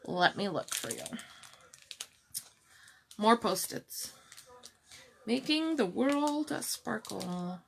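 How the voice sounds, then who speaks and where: A middle-aged woman with a calm, soft-spoken voice, chatting slowly through a live jewelry showcase and answering viewers by name. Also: mid-range voice, gravelly, slight background noise. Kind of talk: slow live-stream product showcase chat.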